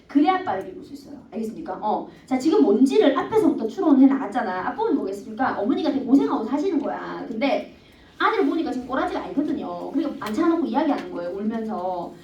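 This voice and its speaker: A Gyeongsang-accented woman teaches a literature class with a bright, high voice that swings up and down. She keeps tossing questions at her students. The sound is dull and echoey, picked up from across the classroom. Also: quick pace, far from the mic. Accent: Gyeongsang dialect. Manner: lively, asks students questions constantly. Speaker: Korean language teacher. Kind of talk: classroom lecture.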